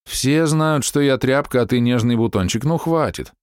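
A man's voice: mid-range voice, normal speed, clear, resonant tone, dry recording, studio quality, pitched above the performer's own voice, lightly acted. A man voicing a meek middle-aged husband who groans in a weary voice.

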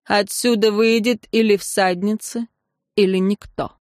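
A calm, ruthless priestess mentor, as a woman reads her in an audiobook, slow and unhurried. Her voice is quiet and coldly matter-of-fact. It sounds close and dry. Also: medium pitch, no room sound, close to an everyday voice. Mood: blunt.

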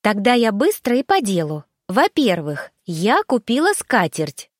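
A woman's voice: mid-range voice, sing-song, measured pace, no room sound, studio quality. A woman voicing a cheerful, bubbly young woman who talks playfully and pouts. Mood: eager. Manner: bright, playful, pouty.

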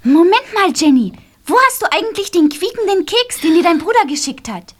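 A woman's voice: extremely high pitch, sing-song, a little fast. Eager schoolgirl. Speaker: boarding-school girl. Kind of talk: children's radio play acting.

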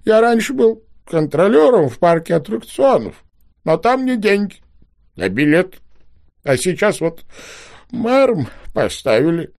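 Casting: a man playing a high, whiny old codger mayor, audiobook, lively swings. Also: measured pace, gravelly, full character voice. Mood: weepy. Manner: whiny, pleading, squeaky. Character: tearful old man mayor who cannot count.

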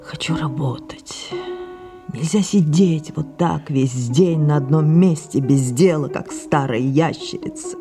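A woman playing an imperious, capricious aging actress in an audio drama, breathy and languid, slipping into whispers. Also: low voice, unhurried, music in the background. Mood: wry musing. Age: older. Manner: languid and musing, then sharply commanding.

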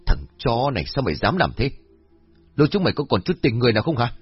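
A man's voice: lowish voice, expressive, fast talker, husky, highs cut off, soft background music. A man voicing a hot-tempered middle-aged village father who curses and blusters, in a storybook reading. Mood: furious. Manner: angry, cursing, blustering.

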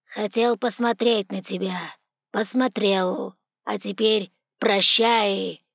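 A woman voicing a proud, sardonic male talking raven with a hoarse, croaking voice and a slow, cold, mocking manner. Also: mid-range voice, fairly even intonation, a bit bright, no echo, clean studio sound, full character voice. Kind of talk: audiobook character voice.

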